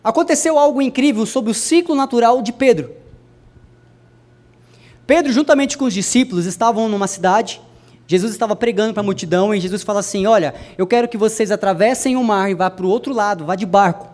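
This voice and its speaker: Young man, preacher, high voice, sermon to a congregation, soft-to-loud swings. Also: a little fast. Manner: addresses the congregation directly, wide swings in pitch and loudness.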